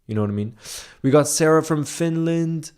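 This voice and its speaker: A man's voice: on the high side, normal speed, darkish tone, clear, resonant tone. A young man hosting a casual livestream, chatting and reading viewer comments aloud. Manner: conversational, often asks "you know what I mean". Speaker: livestream host.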